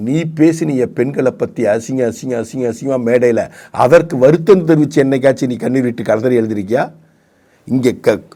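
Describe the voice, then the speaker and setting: A man's voice: medium pitch, warm tone. A man, giving combative political commentary on a talk show and firing off repeated rhetorical questions.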